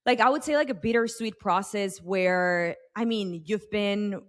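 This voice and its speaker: A woman's voice: medium pitch, a little slow. A young adult woman hosting a podcast interview, chatting casually with plenty of fillers as she rambles toward her question. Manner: rambling, heavy use of fillers. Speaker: podcast host.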